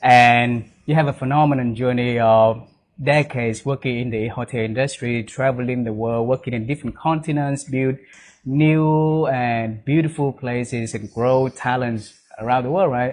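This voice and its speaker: A man's voice: medium pitch, steady tone, normal speed, a little mellow. A male interview host with a Vietnamese accent and a mid-range voice. He speaks eagerly and keeps turning his sentences into questions for his guest, often ending them with "right?". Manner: eager, leans on "right?" tags. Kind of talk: interview conversation.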